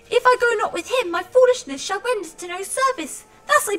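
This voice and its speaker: A put-on character voice chatters at a fairly quick pace. It is squeaky and extremely high in pitch. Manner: beeping, stubborn.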